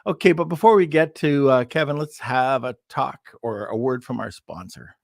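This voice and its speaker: A man's voice: mid-range voice, normal speed, vocal fry, no echo, studio quality. A man hosting a live podcast over a video call, chatting casually, rambling and laughing at himself. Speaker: podcast host. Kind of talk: casual live-stream chat.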